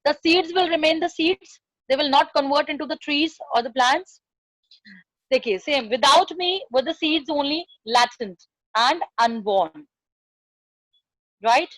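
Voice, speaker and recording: A woman's voice: sits high, unhurried, long pauses, a bit bright, no echo, poor audio. A woman with a South Asian accent teaching a poem in a classroom lesson, repeating phrases and questions for emphasis.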